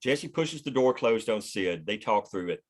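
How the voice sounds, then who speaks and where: A man's voice: fairly low pitch, animated, moderate pace. A man reading scripted screenplay stage directions as the narrator of a table read.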